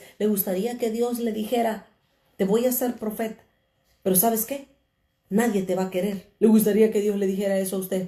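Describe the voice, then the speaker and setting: A woman talks at a fairly quick pace with long, frequent pauses, her fairly high, somewhat breathy voice carrying a dark, mellow tone. Her tone is passionate, yet her intonation stays monotone and flat. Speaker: preacher. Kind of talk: sermon.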